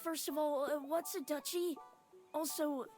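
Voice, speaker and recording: A timid little hermit crab. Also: female voice, sits high, fairly even intonation, measured pace, darkish tone, faint music behind. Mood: nervous. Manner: hesitant, stammering. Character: timid young hermit crab, nervous and evasive.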